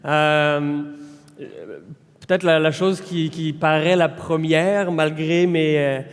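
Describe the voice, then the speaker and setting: A man in his thirties with a French accent speaks as a pastor, easy and conversational, with frequent pauses. His voice sits a little high. It carries a long reverb from a church hall. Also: fairly even intonation, smooth. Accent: French from France. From France. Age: 30s. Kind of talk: informal sermon introduction.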